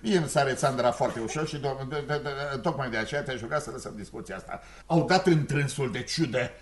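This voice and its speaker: A man playing a quick-tempered older landowner and father who tries to calm a quarrel in a read-through of a stage play. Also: mid-range voice, a little hiss or hum, close to an everyday voice. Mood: indignant. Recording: roomy echo.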